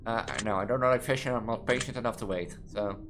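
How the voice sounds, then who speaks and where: Young trans woman w dutch accent reading out quiz questions, keeps restarting words, chatty and halting, soft music in the background. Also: a bass voice. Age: young adult. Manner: rambling, halting, often restarting words mid-sentence. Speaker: gaming video creator. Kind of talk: casual commentary reading quiz questions aloud. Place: student apartment.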